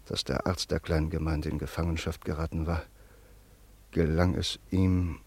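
An actor playing a sombre narrator in a radio drama, grave and deliberate as he recalls a friend's fate. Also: rumbling low, level tone, a little mellow, slightly rough, heavily acted.

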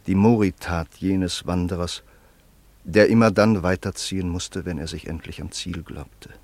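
Low, gravelly, grave male radio-play narrator. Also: steady tone, a little mellow, no room sound. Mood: solemn, elegiac. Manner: solemn, measured, deliberate. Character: Hans, grave reflective male family friend narrating a life. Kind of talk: literary radio drama narration and dialogue.

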